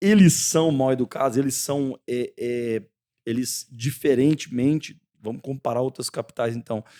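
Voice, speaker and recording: A man's medium-pitched voice with a Goiás accent, dark and mellow in tone, with ordinary pitch variation, a fairly slow pace and a dry, close sound with no echo. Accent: Goiás accent, mistaken for Minas. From Goiânia, Brazil. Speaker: podcast host. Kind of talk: casual chat.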